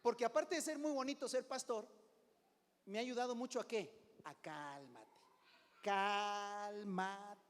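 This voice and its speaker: A middle-aged man preaching as a pastor, conversational, often calling "hermano", swinging between loud and hushed. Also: extremely high pitch, steady tone, measured pace. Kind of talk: sermon. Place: church sanctuary. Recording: long hall reverb.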